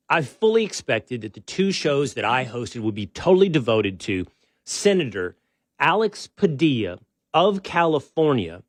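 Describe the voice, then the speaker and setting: A middle-aged man hosting a show, talking in a relaxed, rambling way with lots of restarts and joking asides. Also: medium pitch, dry recording. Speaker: podcast host. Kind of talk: casual show-opening chat.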